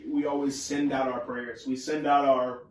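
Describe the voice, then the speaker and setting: A man's voice: mid-range voice, level tone, moderate pace. A man co-hosting a podcast in casual chat, telling family stories and quoting relatives in dialogue. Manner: conversational, quotes family members in dialogue. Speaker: podcast co-host. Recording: echoey room, mic at a distance.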